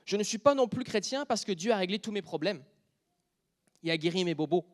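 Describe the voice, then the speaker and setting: A man with a Quebec French accent preaching a sermon, dropping to a near whisper and then joking loudly with the congregation. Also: high voice, expressive, fairly quick. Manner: shifts from quiet intimate speech to loud joking with the congregation.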